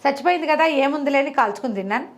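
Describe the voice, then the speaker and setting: A woman's voice: high voice, expressive, racing. A woman voicing a spiteful, shifty village man in a folk tale, dismissive and scolding. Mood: evasive, dismissive.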